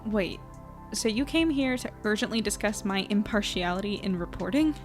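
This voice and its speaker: Small-town woman journalist , actress, responsible but exasperated, medium pitch, natural podcast-drama read over music. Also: animated, moderate pace, lightly acted. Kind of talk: naturalistic audio drama acting.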